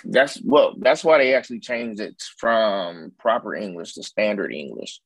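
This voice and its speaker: A man's voice: on the low side, normal speed, dry recording, poor audio. A man with an African American accent explaining casually in a discussion, often adding "you know what I mean". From United States.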